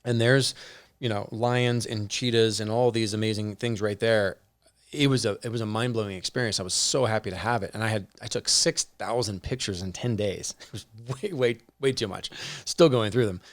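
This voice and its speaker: Male guest, slightly low voice, dry and close, sharing stories with feeling and stumbles. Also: normal speed, no echo. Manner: animated, emotional storyteller with many restarts. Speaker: podcast guest. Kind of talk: casual storytelling conversation. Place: indoor room with whiskey and pipes.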